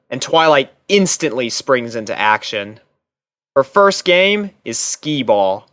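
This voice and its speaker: A man's voice: medium pitch, fairly bright tone, no room sound, studio quality. A man reading scripted first-person fiction aloud as a story narrator. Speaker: narrator and reader.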